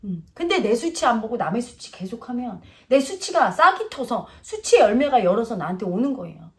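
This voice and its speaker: A woman's voice: on the high side, sing-song, a little fast. A middle-aged woman giving a casual spiritual talk, lecturing and acting out quoted voices. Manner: lecturing, acts out quoted voices, drifts between plain and polite speech. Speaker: spiritual teacher.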